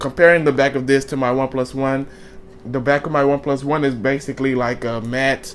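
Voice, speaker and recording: A man at a medium pitch, fairly quick and monotone, with noticeable background noise. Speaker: tech reviewer. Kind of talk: product review. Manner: fast; casual, filler-heavy.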